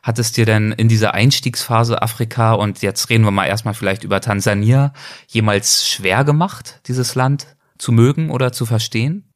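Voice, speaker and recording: A man's voice: lowish voice, normal speed, no room sound, studio quality. A male interviewer asking long, carefully framed questions.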